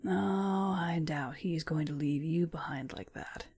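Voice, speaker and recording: A woman playing a menacing spy agency boss in an audio drama, coolly threatening with taunting politeness and a gravelly, husky voice. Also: deep voice, a little mellow, full character voice. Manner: smooth taunting politeness, deliberate.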